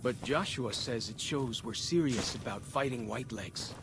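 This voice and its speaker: A man's voice: mid-range voice, moderate pace, noisy background, close to an everyday voice. A man playing a friendly young tribal scout guide in a video game, easygoing and folksy with clipped phrasing. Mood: relaxed, wry. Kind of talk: video game character dialogue.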